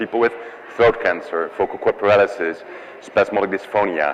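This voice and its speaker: Over noticeable background noise, a man with a Dutch accent speaks with lively intonation. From Netherlands. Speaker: tech startup founder. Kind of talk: conference presentation. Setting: audience in a room. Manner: stuttering; halting with fillers.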